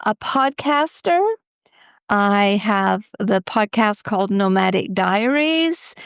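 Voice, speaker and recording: Scottish-ish lady in her 70s, slow and smooth, wry storyteller, guest on a podcast. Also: medium pitch, no echo, studio quality. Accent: light Scottish, mid-Atlantic. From Scotland. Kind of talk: conversational interview storytelling.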